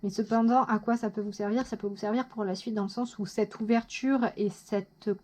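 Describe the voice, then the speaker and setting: A woman giving a casual monthly tarot horoscope reading, chatty, excitable and quick to poke fun at herself. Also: medium pitch. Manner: chatty, self-mocking, excitable. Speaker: tarot reader.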